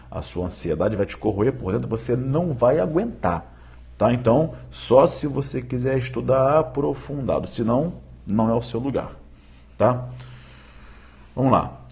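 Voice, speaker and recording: A man giving a live-streamed law lecture, often checking in with viewers and repeating key points slowly for emphasis. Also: mid-range voice, a little mellow. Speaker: law teacher.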